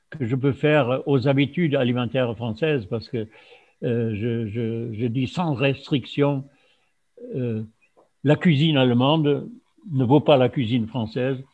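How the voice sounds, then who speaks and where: A man from Germany whose first language is German speaks in a mid-range voice. He gives a loose, informal talk full of pauses, fillers and restarts. The recording is dull and lo-fi. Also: medium pitch, a little mellow. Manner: halting, many fillers and restarts. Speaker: speaker on fasting. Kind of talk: informal lecture to an audience. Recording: dull lo-fi sound.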